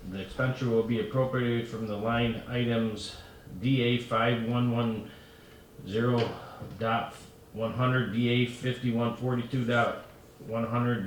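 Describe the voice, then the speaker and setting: Man stumbling through a resolution reading. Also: fairly low pitch. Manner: stumbling, slow over numbers. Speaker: town board member. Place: town hall meeting room. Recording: echoey room, far from mic, faint noise.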